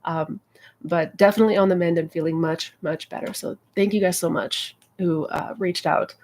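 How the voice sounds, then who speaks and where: Her lowish voice has a darkish tone and fairly even intonation at a moderate pace. Stuffy and slightly nasal with a cold, the coach runs a casual livestream Q&A, friendly and chatty with lots of fillers.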